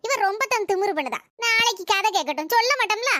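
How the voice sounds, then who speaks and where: Brief: woman doing a sly, high-voiced village gossip neighbor for a cartoon, dry close mic. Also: animated, fast talker, sharp tone, no echo, full character voice. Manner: breathless storytelling gossip. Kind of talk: cartoon comedy voice acting.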